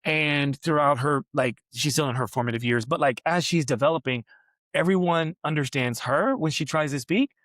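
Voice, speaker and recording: In a casual interview conversation, a male podcast host in his forties lies on a massage table in New York City and tells a long personal story in a roundabout way, often asking "right?" His voice sits on the high side, fairly bright, at normal speed. Studio quality, no room sound.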